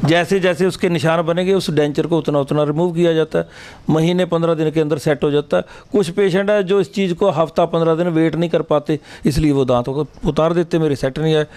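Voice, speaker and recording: Dentist giving earnest advice. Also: male voice, fairly high pitch, darkish tone, clean tone. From Punjab, India. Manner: earnest, plain-spoken advice with homely examples. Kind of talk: interview answers.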